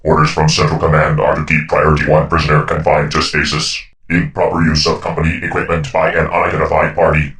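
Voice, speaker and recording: Robotic enforcer, video game, cold, officious, hard forceful edge, far from the mic. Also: male voice, rumbling low, quick pace. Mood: cold, threatening. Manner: flat, officious, impersonal. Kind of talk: scripted video game announcements.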